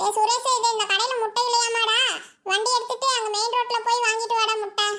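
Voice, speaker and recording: In a cartoonish character voice, a woman speaks at a moderate pace with an extremely high, squeaky pitch and monotone, flat intonation. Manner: chatty, unhurried.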